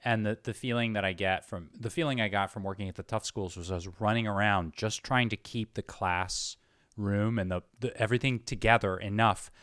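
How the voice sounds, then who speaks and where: A man's voice: fairly low pitch, steady tone, a little fast, fairly bright tone, no room sound, studio quality. A man hosting a casual interview, thinking aloud and repeating words as he searches for the right phrase. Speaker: interviewer, host. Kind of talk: casual reflective conversation.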